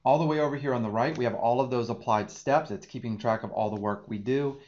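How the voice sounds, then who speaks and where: A man's voice: medium pitch, fast talker, darkish tone. Male instructor, 30s, explanatory tutorial read, slightly muffled home-office audio. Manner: explanatory, talks through each click. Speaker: data engineering instructor. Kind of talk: screen-share tutorial.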